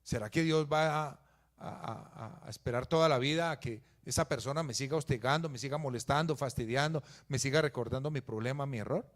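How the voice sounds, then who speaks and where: Male pastor, mid-pitched, preaching with dramatic shifts between forceful emphasis and soft asides. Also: brisk. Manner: swings from loud emphatic peaks to low quiet asides. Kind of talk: sermon.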